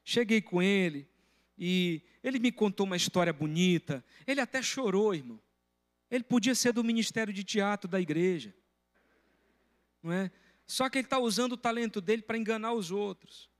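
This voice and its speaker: A middle-aged man preaching a sermon as pastor, telling a personal story with lively, animated delivery. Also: sits high, moderate pace. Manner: storytelling, breaks into loud shouting when retelling a confrontation.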